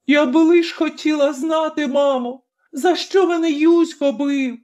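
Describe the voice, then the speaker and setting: A shrill sobbing village girl. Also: very slow, soft background music, exaggerated voice. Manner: shrill, shouting and crying. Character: young village woman, wronged, furious and sobbing. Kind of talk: audiobook character voice.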